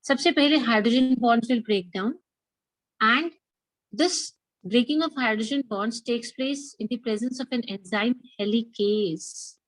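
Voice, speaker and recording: A woman's voice: a little high, moderate pace, no echo, rough recording. A woman with a South Asian accent teaching a biology class, repeating key points and prompting students with questions. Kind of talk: interactive lecture with questions to students.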